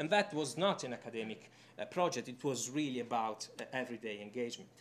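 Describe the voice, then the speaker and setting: Talking at a very fast pace with lively intonation, a man speaks in an Italian accent. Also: medium pitch for a man. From Italy. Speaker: academic researcher. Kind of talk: conference presentation. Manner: halting, many fillers.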